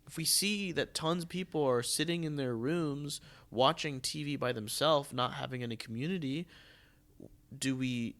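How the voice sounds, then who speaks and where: An American man hosting a casual podcast conversation, musing in a halting way as he thinks aloud. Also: medium pitch, fairly bright tone. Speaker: podcast host and theatre artistic director.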